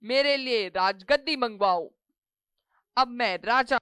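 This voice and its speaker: A woman's voice: fairly high pitch, takes it slowly, a bit bright, smooth, dry recording. A woman voicing a boastful little male mouse in a children's cartoon story, chanting his threats in a sing-song way. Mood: cocky, threatening.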